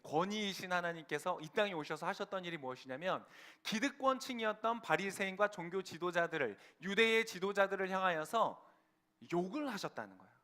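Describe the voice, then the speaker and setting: Young male pastor, high bright voice, emphatic sermon delivery with rhetorical questions. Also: animated, fairly quick. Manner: emphatic, rising to fervent declarations; asks the congregation rhetorical questions.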